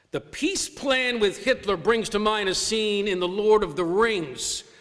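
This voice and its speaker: A man with a New York accent speaks at a high pitch with ordinary pitch variation. His pace is fairly slow. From New York City. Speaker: historian and guest lecturer. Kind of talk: lecture. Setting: lecture hall with live audience.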